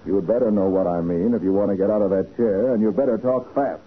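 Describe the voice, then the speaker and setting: An actor playing a shrewd, commanding American private detective in a 1940s radio drama, methodical and deliberate. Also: male voice, lowish voice, narrow, tinny audio, natural voice. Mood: stern, accusing. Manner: assured, deliberate, interrogating. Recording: scratchy band-limited 1940s radio recording.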